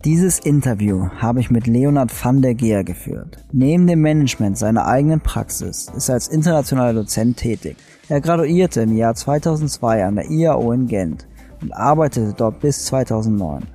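A young adult man with a mellow, dark-toned voice hosts a podcast, calm and measured. He reads his introduction and then asks his guest questions, with faint music behind him. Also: medium pitch. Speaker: podcast host and osteopath. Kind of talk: read podcast intro and interviewing.

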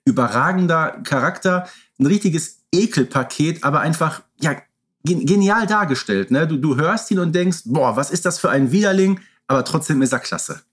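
A man's voice: a little high, animated, moderate pace, fairly bright tone, husky. Emphatic man co-hosting a podcast. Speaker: podcast co-host. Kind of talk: conversational podcast talk.

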